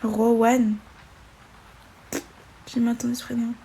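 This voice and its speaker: A woman's voice: a little high, level tone, slow, mellow, a little hiss or hum, low-quality recording. A woman in her twenties hosting a casual live stream on her phone, reading viewer questions aloud and chatting back with many fillers and restarts. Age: 20s.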